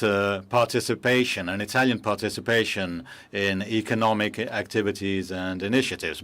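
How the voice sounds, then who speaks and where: A man working as a simultaneous interpreter for a formal speech, measured and halting with frequent pauses and fillers, into a booth microphone. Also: lowish voice, a bit bright. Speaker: conference interpreter.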